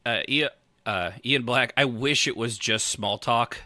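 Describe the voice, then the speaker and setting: A man's voice: medium pitch, a little slow, bright, forceful tone, no room sound, studio quality. A middle-aged man in casual podcast conversation as host, rambling and interrupting himself as he thinks aloud.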